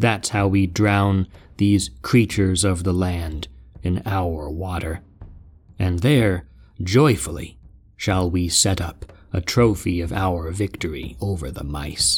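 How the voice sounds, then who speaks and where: Very slowly, a man speaks with a very deep, low pitch. His voice is somewhat breathy. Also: ordinary pitch variation. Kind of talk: epic poem narration, scripted dramatic reading with character voices. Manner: grand, formal, declamatory, with shifts in voice for each character; animated, dramatic, mock-heroic.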